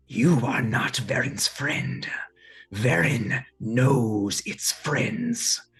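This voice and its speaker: In a put-on character voice, a man whispers very slowly, sounding raspy and shrill. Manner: harsh whisper.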